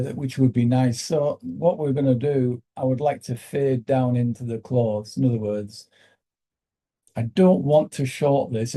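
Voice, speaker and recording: A British man with a croaky voice, hosting a live day trading session and thinking aloud with halting fillers. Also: mid-range voice, mellow.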